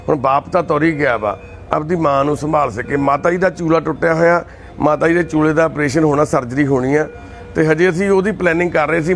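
Charity guy making an earnest appeal, gravelly, bit high voice. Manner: earnest, consoling. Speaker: charity shelter volunteer. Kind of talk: appeal to viewers.

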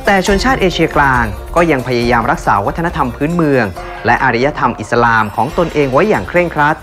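A man's voice: medium pitch, lively intonation, fast talker. Formal male documentary narrator over music. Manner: formal, addresses the viewers directly. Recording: voice-over with loud music bed.

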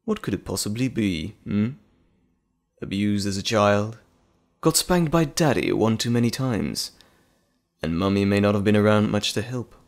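A man playing a gloating, sinister evil alter ego in an audio drama, with a mocking, theatrical, drawn-out delivery. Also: fairly low pitch, expressive. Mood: sinister, taunting.

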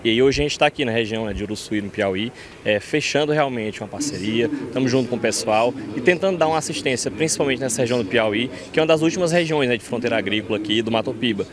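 Fast-talking Brazilian man in his thirties. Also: medium pitch. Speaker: agribusiness partner interviewee. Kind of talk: informal TV interview answer. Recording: busy outdoor crowd behind.

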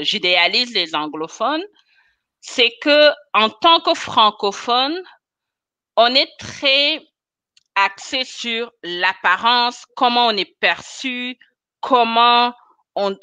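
A woman in her thirties talks animatedly over a video call, a bright, forceful voice with frequent laughs. The sound is dry and close, with no room echo. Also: on the high side, slow, clear, resonant tone. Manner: animated, expressive, laughs often. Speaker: guest, chemist and cosmetics consultant. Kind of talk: casual video-call interview. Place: small room indoors. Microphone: webcam on a video call.

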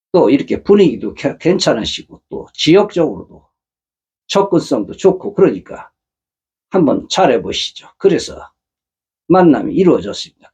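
Middle-aged guy running a matchmaking channel, husky voice, bouncy pitch, preachy rhetorical questions. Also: warm tone. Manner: earnest, lecturing with rhetorical questions. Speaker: matchmaking agency host. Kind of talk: casual monologue to viewers.

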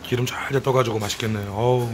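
Male mukbang vlogger, 30s, mid-range voice, eating as he chats, clear dish clatter around him. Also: mid-range voice, fairly even intonation, fast. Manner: talking while eating, with savoring interjections. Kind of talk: casual mukbang eating commentary to camera. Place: indoors in a restaurant by open windows. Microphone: camera at arm's length on the table. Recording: noisy restaurant with clattering dishes.

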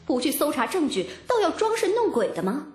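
A woman's voice: high-pitched, sing-song, a little fast, darkish tone, soft background music. A woman narrating a novel in a dramatic, scripted first-person storytelling style. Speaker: audiobook narrator.

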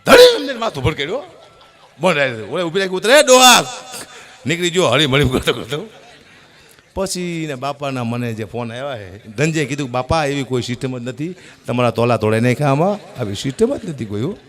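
Animated comedian man telling jokes. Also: medium pitch, brisk. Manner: animated storyteller, shouts punchlines. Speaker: folk comedian. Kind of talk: stand-up joke telling at a folk gathering.

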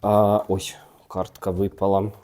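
A man with a low, mellow, smooth voice speaks at a measured pace in a completely flat delivery. Hosting a gossip channel, he reads tarot cards while chatting casually and teasingly, addressing the celebrities he gossips about directly.

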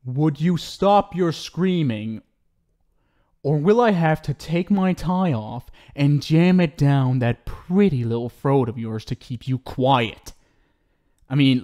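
A man playing an obsessive, unhinged talk show host in an ASMR roleplay, cooing and theatrical, syrupy and menacing. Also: a little high. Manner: cooing, theatrical, swinging between sweet pet names and pleading. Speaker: audio roleplay performer.

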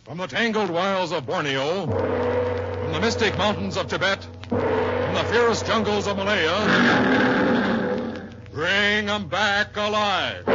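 A man making a declamatory, dramatic advertising announcement in 1930s radio style. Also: sits high. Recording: muffled, noisy 1930s radio recording.

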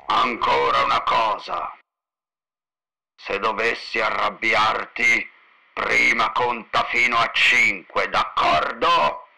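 A man's voice: mid-range voice, takes it slowly, gravelly, sharp tone, exaggerated voice, low-quality recording. A man voicing a stern monster king and father in a cartoon fandub. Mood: stern, cautioning.

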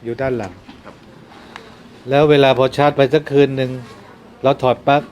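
A man who is a Buddhist monk gives an informal dharma talk. He explains things patiently and grows soft and earnest when he gives advice. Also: mid-range voice, steady tone, normal speed, a little hiss or hum.

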